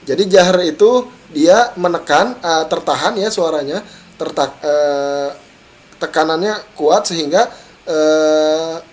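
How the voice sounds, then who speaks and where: A man teaching a tajwid lesson, modelling letter sounds and tagging his points with a checking "ya". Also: a little high. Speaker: Quran recitation teacher.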